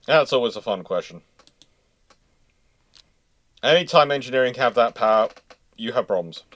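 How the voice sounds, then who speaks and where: A man's voice: medium pitch, lively intonation, normal speed, fairly bright tone, no echo. A man hosting a casual livestream, chatting in a rambling way as he thinks aloud. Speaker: host of a naval history livestream.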